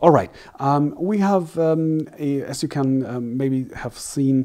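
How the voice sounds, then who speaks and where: With a non-native accent, a man speaks at a fairly slow pace. His voice has a dark, mellow tone and a fairly high pitch. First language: not English. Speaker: tech reviewer. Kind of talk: product review. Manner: halting, many fillers.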